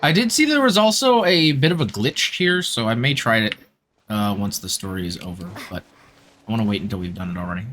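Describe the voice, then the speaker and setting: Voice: mid-range voice, animated, a little fast, fairly bright tone. A streamer giving casual live commentary on a video game, reacting informally and with slangy asides. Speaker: streamer, VTuber.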